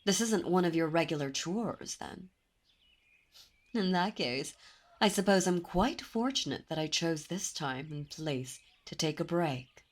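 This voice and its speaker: This time the seductive demon princess sounds intrigued, her low-leaning voice animated yet a little slow. The woman keeps the ASMR roleplay teasing, imperious and intimate.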